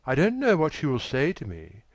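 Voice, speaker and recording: A man voicing a petulant, charming young gentleman who talks in a wilful, breathless rush. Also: fairly high pitch, wildly swooping pitch, no echo, voice pushed up. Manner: wilful, quick, breathless pleading.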